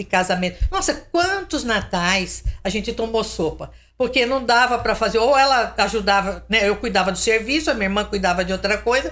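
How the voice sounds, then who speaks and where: The woman's pitch is fairly high, with ordinary pitch variation. Vocal fry shows up in her voice. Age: 60s. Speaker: retired teacher. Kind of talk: interview.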